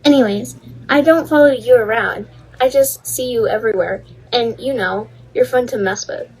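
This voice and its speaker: A woman playing a snooty, short-tempered schoolgirl bully with a bossy, mocking manner in an animated roleplay story. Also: fairly high pitch, moderate pace, slightly rough, rough recording. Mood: smug, mocking.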